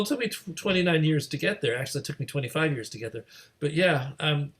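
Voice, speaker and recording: A man hosting a casual online group discussion, talking in a halting way and rephrasing his thoughts as he goes. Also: a little high, a bit bright. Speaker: host of an online community gathering. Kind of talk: casual moderated video-call discussion. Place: remote video call.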